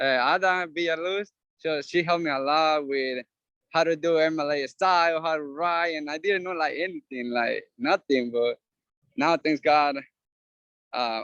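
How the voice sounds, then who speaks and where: Young man, Spanish native, halting speech. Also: fairly high pitch, a bit bright, no echo, dull audio. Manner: halting, many fillers and restarts. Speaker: student. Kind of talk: casual sharing on a video meeting. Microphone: video call, camera off.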